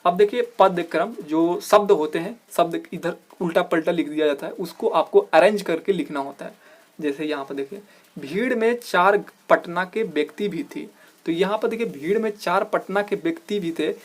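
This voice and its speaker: A man teaching an exam-prep grammar lesson as host of his channel. He asks rhetorical questions, keeps saying "look here", and slows down to stress each corrected phrase. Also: high voice. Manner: explanatory, repeats "dekhiye", slows down to stress corrected words.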